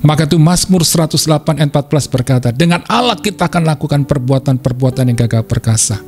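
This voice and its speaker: A male pastor preaching a sermon with passion, his voice jumping up in pitch to stress a point. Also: animated, quick pace, darkish tone, faint music behind.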